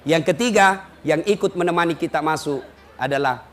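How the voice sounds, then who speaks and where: A man preaching a humorous sermon, telling stories with mimicked voices and lively rising questions. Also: a little high, normal speed, slight background noise. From Indonesia.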